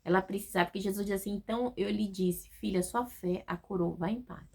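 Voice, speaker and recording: A woman's voice: mid-range voice, fairly quick, gravelly, darkish tone, breathy edge. A woman with a Brazilian Portuguese accent giving a casual devotional Bible study, reading scripture aloud and checking in with her listeners in a conversational way. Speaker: Bible teacher.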